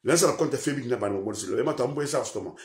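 A man with a Guinean accent, a political commentator ranting in French mixed with a local language, swinging between loud outbursts and low mutters. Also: expressive, very fast, reverberant. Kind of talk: impassioned radio-style rant.

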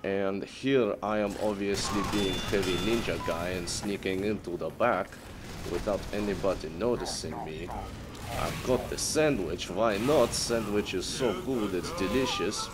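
A gameplay commentator puts on a Russian accent and broken English to play a boastful, vodka-loving heavy gunner who calls himself a big sneaky ninja. His deep, slightly slow voice brags in a deadpan, mock-serious way over noisy video game combat.

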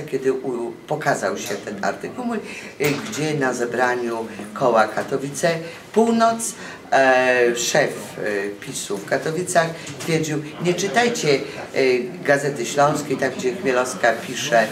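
An older woman journalist giving an indignant statement to camera, asking rhetorical questions with frequent hesitations. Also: rumbling low. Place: court building corridor, indoors. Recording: roomy corridor echo, voices from far off.

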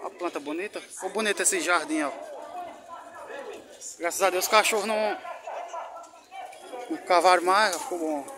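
A man's voice: sits high, normal speed, long pauses. A man, vlogging casually as he walks an outdoor market, chatting and joking with people he greets. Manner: chatty, greets passers-by, jokes. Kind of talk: casual walking vlog. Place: busy outdoor street market. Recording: outdoor crowd noise. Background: market crowd chatter.

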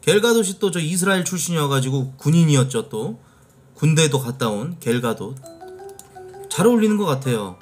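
A man's voice: fairly high pitch, sing-song, brisk, darkish tone, faint music behind. A man streaming casual reaction commentary, blunt and swearing freely as he reacts to clips and reads posts aloud.

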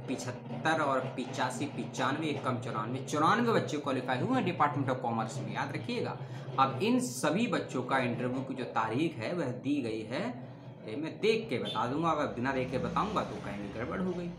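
A man's voice: medium pitch, animated, normal speed, noisy background. A man hosting an education channel, talking casually as he reads out lists and corrects his own slips aloud. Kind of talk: casual informational talk reading out lists. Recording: roomy echo.

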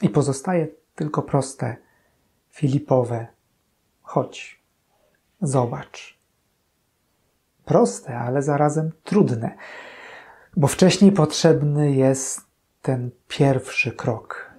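Slow, husky-voiced priest. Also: male voice, mid-range voice. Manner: calm, earnest, slow-paced reflection. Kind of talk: short gospel commentary. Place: small chapel room indoors. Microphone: fixed camera, medium shot.

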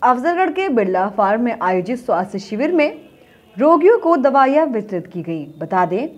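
A young adult woman anchoring a news bulletin in a studio, reading a script in a formal, even newsreader delivery. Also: on the high side, normal speed. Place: studio with virtual set.

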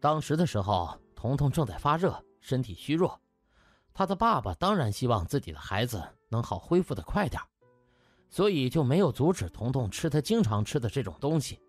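A man voicing an indignant young doctor who argues forcefully in a dramatised audiobook. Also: mid-range voice, sing-song, a little fast, dry recording, faint music behind. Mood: bitter, indignant. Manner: forceful, emphatic, aggrieved. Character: indignant young male doctor pressing his case.

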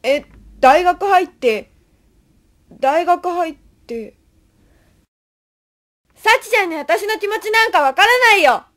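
A young woman playing an earnest, stressed high-school senior girl in an amateur radio drama. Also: expressive, takes it slowly, long pauses, a bit bright, a little hiss or hum, full character voice. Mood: irritated. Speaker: student radio drama actor.

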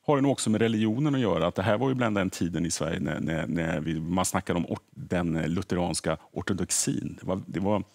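A man's voice: low-pitched, gravelly, hardly any pauses, darkish tone. A middle-aged man, a history podcaster, explaining earnestly in a TV studio interview and often repeating words as he thinks. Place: TV morning show studio.

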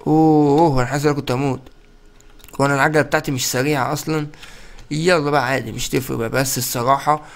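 A man's voice: medium pitch, steady tone, very fast, vocal fry. A young man with an Egyptian Arabic accent giving playful, chatty gameplay commentary and talking straight to his viewers. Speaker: gaming YouTuber.

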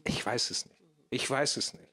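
A man's voice: moderate pace, bright, forceful tone. A man in his thirties with a Russian accent, a guest on a stage panel, talking hesitantly with many restarts into a handheld mic. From former Soviet Union. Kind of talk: panel discussion. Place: stage in a small theater, indoors. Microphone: handheld microphone.

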